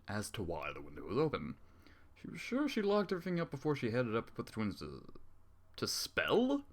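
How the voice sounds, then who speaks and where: A fanfiction reader with a mid-range, somewhat bright voice reads a fan story aloud. His narration is punctuated by exasperated, cursing comic reactions.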